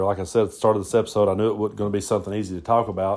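Speaking very fast at a fairly low pitch, a man is heard on a very clean recording with a silent background. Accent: Appalachian. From Southeast Kentucky. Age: 40s. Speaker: podcast host and social commentator, former musician. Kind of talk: casual monologue, personal storytelling. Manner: casual, filler-heavy, conversational.

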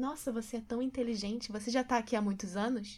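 This woman has an unremarkable speaking voice with a fairly high pitch. She talks at a fairly quick pace with fairly even intonation. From Brazil. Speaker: journalism student. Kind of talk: panel debate.

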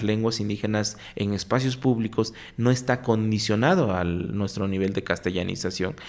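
An ordinary speaking voice, from a man with a fairly low pitch. He talks at a fairly slow pace with fairly even intonation. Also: very clean recording, silent background. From Mexico, Oaxaca (Mixtec town). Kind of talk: interview.

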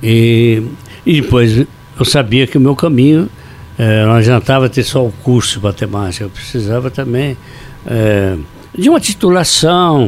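A man at medium pitch with ordinary pitch variation, a fairly slow pace, very even loudness and long, frequent pauses, over noticeable background noise. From São Paulo state interior, Franca. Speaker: state politician. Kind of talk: interview. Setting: studio.

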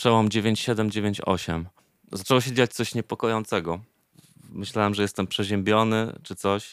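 Using an ordinary speaking voice, a man talks at a fairly slow pace with fairly low pitch and fairly even intonation, in a dry, close sound with no echo. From Poland, Świnoujście (Baltic coast). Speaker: musician and composer. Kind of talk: casual chat.

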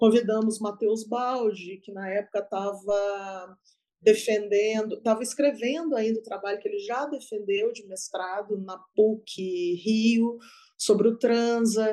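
At a fairly slow pace, a woman with a fairly high pitch and a dark, mellow tone keeps her intonation fairly even while her loudness swings widely. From Minas Gerais interior, Brazil. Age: 40s. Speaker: literature researcher and historian. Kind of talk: interview.

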